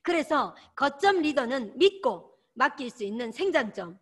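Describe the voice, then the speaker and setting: High, lively woman. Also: moderate pace, slightly rough. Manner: emphatic, repeats key words, exhorting. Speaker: sales team lecturer. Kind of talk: motivational training lecture.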